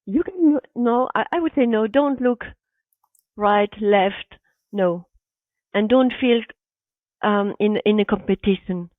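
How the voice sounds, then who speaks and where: A woman's voice: mid-range voice, takes it slowly, pauses often, no room sound. An enthusiastic woman answering interview questions in short, emphatic bursts. Her voice comes through a tinny, phone-like remote call line, bone dry with no room sound. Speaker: guest, artist and bag designer.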